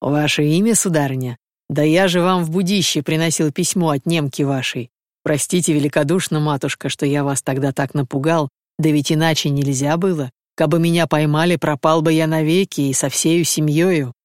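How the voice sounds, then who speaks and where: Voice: medium pitch, steady tone, normal speed, dry recording, studio quality, natural voice. A reader doing a humble gypsy chieftain. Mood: deferential. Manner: deferential, homely, folksy. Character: humble middle-aged male gypsy chieftain.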